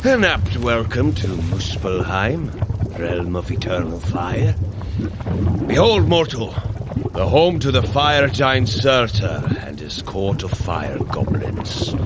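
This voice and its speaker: An actor playing a hearty, dutiful elder-brother thunder god in an audio drama, with a grand, earnest delivery. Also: male voice, lowish voice, sing-song, slow pace, heavy background noise. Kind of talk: scripted audio drama acting for a fitness app.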